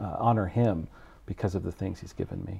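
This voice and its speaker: A man's dark, mellow voice with an American accent and fairly even intonation. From Connecticut, US. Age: 40s. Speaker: English professor. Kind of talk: interview testimony. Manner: halting, many fillers.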